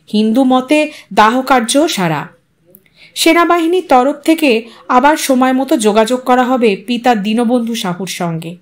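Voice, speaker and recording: A woman with a somewhat high-pitched voice reads literary fiction aloud. Her delivery is scripted narration, expressive and dramatic, shaped for an audio story.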